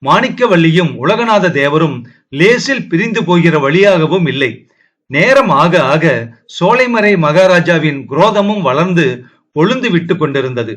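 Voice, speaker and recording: A man narrates a historical novel for an audiobook, steady and dramatic in his storytelling. His voice sits somewhat high for a man. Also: measured pace.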